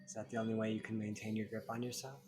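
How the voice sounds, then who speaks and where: A man voicing a soft-spoken mocking tempter. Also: little pitch movement, very fast, over music, natural voice. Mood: scornful. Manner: quiet, low and taunting. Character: sly, mocking male tempter voice taunting a killer.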